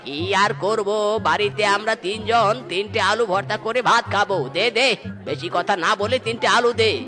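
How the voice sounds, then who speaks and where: Cartoon miser, old duck father, played by an actor: bright, sharp, scolding, exclamatory, short-fused. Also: mid-range voice, normal speed, faint music behind, natural voice. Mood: irritated, haggling. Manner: scolding, exclamatory, repeats words. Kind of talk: Bengali comedy cartoon dialogue.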